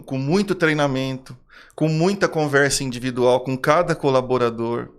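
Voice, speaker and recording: A man's voice: mid-range voice, clear, resonant tone. A middle-aged man, a swimming school manager, telling a heartfelt story in a casual interview and repeating phrases for emphasis.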